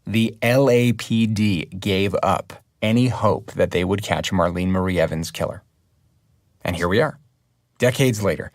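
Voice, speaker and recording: An actor playing an earnest investigative podcast host, delivering scripted narration. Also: male voice, lowish voice, lightly acted. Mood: earnest, intrigued. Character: earnest, driven male investigative true-crime podcast host. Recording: music under the voice.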